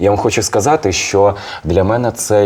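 A man with a fairly low pitch talks with ordinary pitch variation, and noticeable background noise can be heard. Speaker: radio host and announcer of state events. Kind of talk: interview answer, casual talk in a morning TV show.

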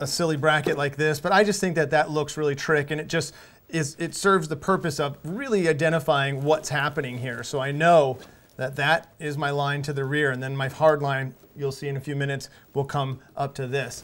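Fairly quick delivery with fairly even intonation. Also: man. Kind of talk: tutorial. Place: garage.

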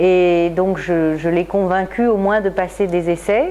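Her pitch sits at a medium level as a woman talks at a fairly slow pace. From France. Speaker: film director. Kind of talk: interview. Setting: film festival in Moscow. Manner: hesitant, many fillers. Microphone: lapel.

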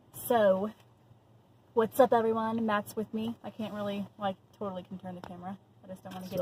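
A woman's fairly quick, monotone delivery with flat intonation, dry with no echo, over light background noise. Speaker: food vlogger. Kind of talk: casual vlog chat. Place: car. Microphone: phone near.

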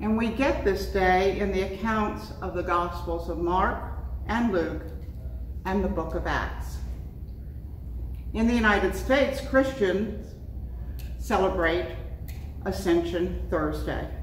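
With audible room echo and light background noise, a woman speaks at a very slow pace, leaving long, frequent pauses. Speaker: priest. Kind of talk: sermon introduction and prayer. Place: hall. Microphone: camera far.

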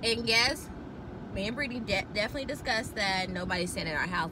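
Speaking at a very fast pace with ordinary pitch variation, a woman comes through in a dry sound with no echo amid noticeable background noise. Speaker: vlogger. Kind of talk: casual vlog chat. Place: car. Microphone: phone near.

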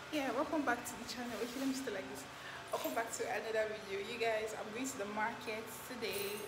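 Pitch varies in an ordinary way as a woman talks amid noticeable background noise. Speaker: vlogger. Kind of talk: casual vlog chat. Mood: cheerful, playful. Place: home room. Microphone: lapel.

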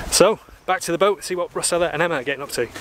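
A man talks at a fairly quick pace with fairly even intonation, his voice dry with no echo over light background noise. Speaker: sailing vlogger. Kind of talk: casual vlog chat. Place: waterside. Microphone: phone near.

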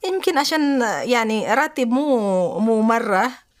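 With an Indonesian accent and lively intonation, a woman speaks in a high pitch against a quiet background. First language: Indonesian (speaking Arabic). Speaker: domestic worker; interviewee. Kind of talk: interview. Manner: halting. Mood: cheerful, smiling. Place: studio.

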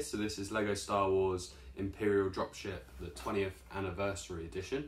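A man's fairly low voice comes through with audible room echo. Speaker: toy reviewer. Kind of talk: casual vlog chat. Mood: excited, friendly. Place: home room.

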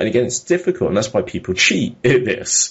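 A man is speaking. He has a British accent. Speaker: entrepreneur and online tutorial creator. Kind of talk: casual chat.

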